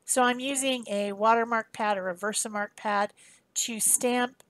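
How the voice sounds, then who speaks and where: A woman's voice: fairly high pitch, steady tone, unhurried, fairly bright tone. Woman doing a chatty craft demo voiceover, pretty informal, explains as she goes, dry sound no room echo. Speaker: craft tutorial host. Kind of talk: casual crafting demonstration voice-over.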